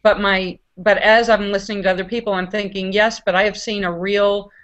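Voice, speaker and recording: A woman's voice: mid-range voice, level tone, fairly quick, fairly bright tone, dull audio. A young woman on a video call, talking in a hurry with stammering restarts.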